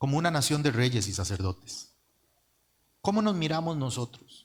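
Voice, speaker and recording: Somewhat breathy, a man's voice has a fairly high pitch. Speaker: pastor. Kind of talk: sermon. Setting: church, livestreamed. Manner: fast.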